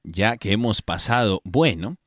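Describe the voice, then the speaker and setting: A man's voice: fairly low pitch, expressive, a little slow, a bit bright, no room sound, studio quality. A man hosting a faith radio show, telling jokes playfully and addressing listeners like a preacher. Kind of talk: joking casual radio chat.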